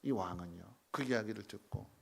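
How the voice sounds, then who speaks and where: A man preaching a sermon in a church, dramatic, with sudden loud emphatic peaks and rhetorical questions to the congregation. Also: on the low side, moderate pace, vocal fry, breathy edge. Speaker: pastor. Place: church sanctuary.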